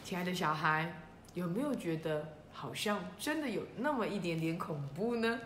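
A woman narrating a children's story in an animated, gentle way, talking directly to the young listeners. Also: lowish voice, normal speed. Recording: roomy echo, faint room noise.

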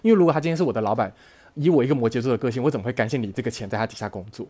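Fast-talking man, earnest. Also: mid-range voice, dark tone. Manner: earnest, emotional, halting with frequent self-restarts. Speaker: podcast host telling a personal story. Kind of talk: casual storytelling monologue.

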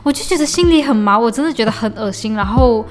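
A woman's voice: on the high side, animated, quick pace. A young woman from Malaysia, telling stories in a chatty, casual podcast diary, often restarting and mixing in English. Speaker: podcast host. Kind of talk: casual diary-style storytelling. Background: faint lo-fi beat.

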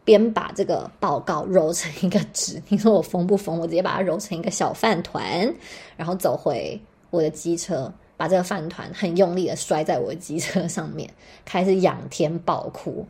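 A young woman with a Taiwanese Mandarin accent tells a personal story on her podcast. Her voice is mellow and slightly husky. She talks in an animated, dramatic way and swears freely. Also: on the low side, normal speed. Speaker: podcast host.

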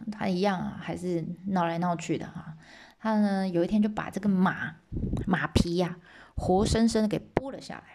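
A woman's voice: fairly low pitch, darkish tone, a little hiss or hum. Chatty woman storyteller. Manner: chatty, playful, asides to listeners. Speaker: storyteller host. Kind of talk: casual myth retelling.

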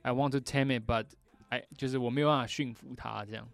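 Relaxed man. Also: mid-range voice, fast talker, gravelly, no room sound. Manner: relaxed, reflective, laughs easily. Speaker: singer-songwriter guest. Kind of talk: casual conversation.

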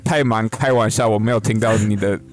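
A man's voice: lowish voice, steady tone, brisk. A man co-hosting a casual chat, joking lightly, with hesitant phrasing and repeated little confirmations. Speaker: podcast co-host. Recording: guitar music behind the voice.

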